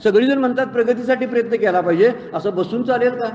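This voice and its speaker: A man's voice: extremely high pitch, fast, a little mellow. A man gives a devotional discourse on scripture, telling folksy stories and asking rhetorical questions. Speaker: spiritual discourse speaker. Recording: roomy echoing hall, slightly muffled.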